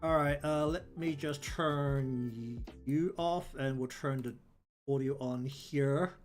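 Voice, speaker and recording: A man's voice: medium pitch, takes it slowly. Rambling New Zealand man, casual stream chat. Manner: rambling, many ums and likes. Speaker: streamer and artist. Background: faint lofi music.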